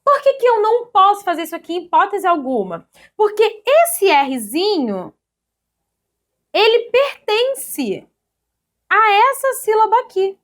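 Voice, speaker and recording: A Brazilian woman teaching an online grammar lesson in a lively, chatty way, often checking in with her students. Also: extremely high pitch, a little slow. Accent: Brazilian Portuguese. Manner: lively, chatty, addresses students as "gente", ends points with "tá?".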